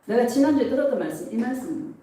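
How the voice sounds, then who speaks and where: A woman pastor preaching a sermon in a church, emotional and animated, often laughing as she speaks. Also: fairly high pitch, racing. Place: church sanctuary. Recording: echoey church hall, mic at a distance.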